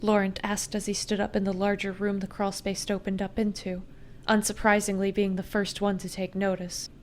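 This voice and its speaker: A woman reading a first-person fantasy audiobook, her pitch sitting in an ordinary middle range. Her delivery is steady and even as she tells the tale. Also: normal speed, a little hiss or hum. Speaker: narrator.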